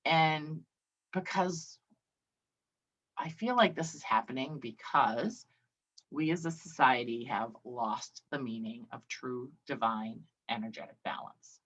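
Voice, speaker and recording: Low-voiced woman hosting a chatty podcast. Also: unhurried, fairly bright tone, slightly rough, highs cut off. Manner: chatty, swears, acts out quoted voices. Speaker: podcast host. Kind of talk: casual solo podcast talk. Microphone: video call.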